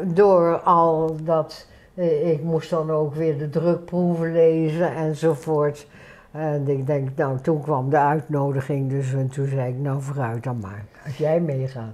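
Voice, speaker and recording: This woman's voice sits very deep and low. She talks very slowly, with fairly even intonation. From Netherlands, Gennep (north Limburg). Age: 90s. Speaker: war eyewitness. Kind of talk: interview. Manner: halting.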